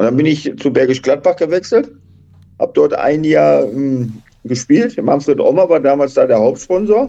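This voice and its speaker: A man talks at a moderate pace with very even loudness and long, frequent pauses. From Duisburg, Ruhr area, Germany. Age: 60s. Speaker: former footballer and coach. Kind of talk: interview.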